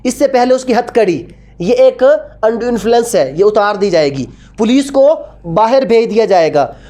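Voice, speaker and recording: A woman's voice: a little high, lively intonation, moderate pace, dark tone. A woman with a Pakistani accent giving an explanatory lecture, didactic, asking and answering her own questions and repeating key phrases. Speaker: law lecturer. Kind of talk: explanatory law lecture, code-switching with English.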